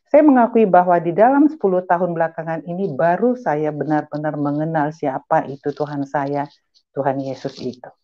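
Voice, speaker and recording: A woman's voice: low-pitched, normal speed, lo-fi sound. A middle-aged woman giving an earnest, emphatic personal religious testimony, slipping in English phrases. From Malaysia. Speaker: testimony giver.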